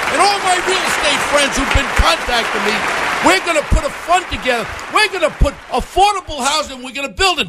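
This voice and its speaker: With crowd noise in the background, a man with a New York accent speaks in an animated tone at a fairly quick pace, his pitch extremely high for a man and his intonation lively. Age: 60s. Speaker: retired police officer and mayoral candidate. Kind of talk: radio interview announcement. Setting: radio studio.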